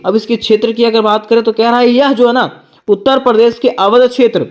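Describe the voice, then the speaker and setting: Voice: mid-range voice, muffled recording. A tutor giving an exam-prep lecture, asking rhetorical questions and answering them, repeating each point twice.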